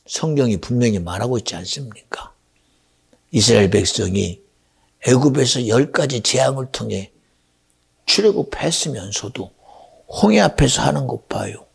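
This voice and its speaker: A male pastor preaching a sermon in church, swinging between hushed whispers and shouted outbursts. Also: mid-range voice, expressive, normal speed, vocal fry, breathy edge. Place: church sanctuary.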